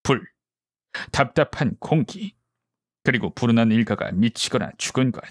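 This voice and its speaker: A man performs a brisk male detective from an audiobook mystery. He lays out deductions methodically and gives orders with assurance. The voice sits at a medium pitch in a dry, close sound. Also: expressive, no echo, lightly acted. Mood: analytical, assured. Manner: deductive, explanatory, commanding. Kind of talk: audiobook character dialogue.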